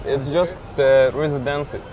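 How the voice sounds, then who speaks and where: A lawyer from Jerusalem, answering interview questions in slow, halting English while searching for his words. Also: medium pitch, loud music behind the voice. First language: Arabic.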